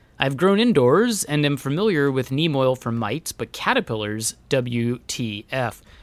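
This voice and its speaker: Over a silent background in a very clean recording, a man with an American accent talks in a normal speaking voice at a fairly high pitch, with lively intonation. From California, Union City. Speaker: cannabis podcast co-host. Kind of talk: casual chat. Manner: joking.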